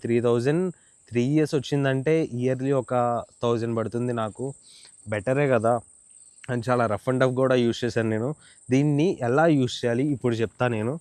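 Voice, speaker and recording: A man's voice: mid-range voice, a little mellow, dry recording. A man with a Telugu Indian accent giving a casual, explanatory product tutorial, mixing English words into his informal speech. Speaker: motovlogger reviewing and demonstrating gear.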